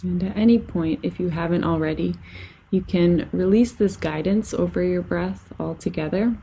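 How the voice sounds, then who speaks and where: A woman leading a guided relaxation as a meditation teacher, speaking gently and soothingly with unhurried phrasing and long pauses. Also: vocal fry, slightly rough. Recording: lower-quality microphone.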